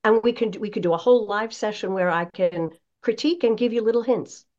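Expressive woman coach, slightly dull audio. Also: medium pitch, brisk. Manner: animated, expressive. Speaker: voice coach, guest. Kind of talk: conversational interview with practical tips.

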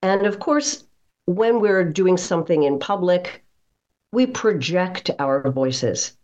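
A woman's voice: fairly low pitch, expressive, slow, a little mellow. A woman speaking as a voice coach in an interview, explaining in an instructive way with emphasis on key phrases. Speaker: voice coach, guest. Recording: slightly dull, muffled audio.

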